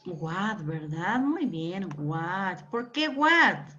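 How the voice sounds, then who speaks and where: A woman's voice: fairly low pitch, big pitch swings, very slow, pushed and bright. A woman English teacher giving a classroom lesson, patient, repeating words and quizzing her pupils. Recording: dull lo-fi recording.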